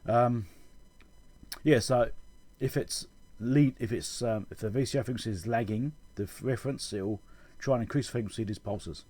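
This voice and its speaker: A man giving an informal technical explanation as a channel host, halting and correcting himself as he thinks aloud. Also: mid-range voice, a little mellow. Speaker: electronics repair channel host.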